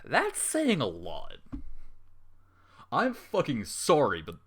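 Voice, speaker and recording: A man's voice: medium pitch, wildly swooping pitch, a bit bright, slightly rough. A man reading a fan story aloud and breaking off to vent his disgust, swearing openly as he goes. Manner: fast, exasperated, swears openly. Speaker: story reader. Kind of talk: dramatic reading with exasperated commentary.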